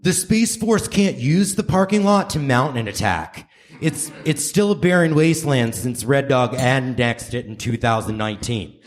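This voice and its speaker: A man's voice: mid-range voice, lively intonation, normal speed, natural voice. A man playing a desperate, earnest inventor in a hammy live radio play. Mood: hurried, earnest. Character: desperate, earnest male inventor racing against time. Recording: noisy live stage recording.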